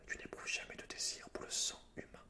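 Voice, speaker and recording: Man voicing male predator beast, whispered, breathy, sly, probing, taunting, fantasy storybook. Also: a little fast, natural voice.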